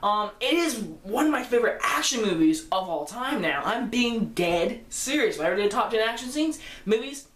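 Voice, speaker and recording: A man's voice: high-pitched, a bit bright, a little hiss or hum. A fifteen-year-old boy giving an enthusiastic, rambling casual movie review that keeps correcting itself. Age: teenager, fifteen. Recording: roomy echo.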